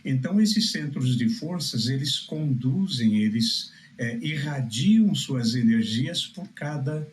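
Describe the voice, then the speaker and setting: Male preacher, Brazilian, medium register, didactic and unhurried phrasing with searching pauses, teaching religion. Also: mid-range voice, expressive, slight background noise. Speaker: preacher, guest answering questions. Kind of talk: religious teaching, explanatory answer.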